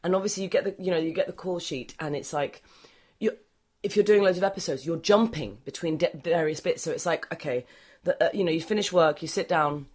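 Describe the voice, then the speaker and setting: A woman with a fairly low voice talking as a guest on a casual podcast. She thinks aloud, circles back on her own words and breaks into laughs. Her talk stays loose and unpolished. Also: fairly quick, a little mellow, slightly rough. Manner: rambling, self-interrupting, laughs easily. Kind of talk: casual interview chat.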